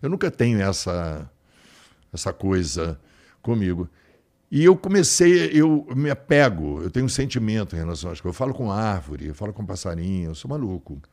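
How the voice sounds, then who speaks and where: Chatty man, low voice. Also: sing-song, moderate pace. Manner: warm, rambling, affectionate storyteller with frequent restarts. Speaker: guest. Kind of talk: casual interview chat.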